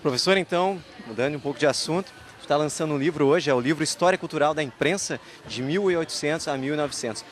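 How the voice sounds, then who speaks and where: Casting: southern Brazilian man, informal interviewer, rapid delivery, slightly high voice, ambient noise around him.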